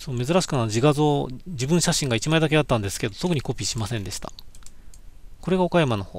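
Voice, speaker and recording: Very fast speech with lively intonation comes through on a very clean recording with a silent background. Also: man, fairly high pitch for a man. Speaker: cycling travel streamer. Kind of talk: casual live-stream slideshow commentary. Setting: live stream from desk, recorded. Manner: sleepy-sounding, calm.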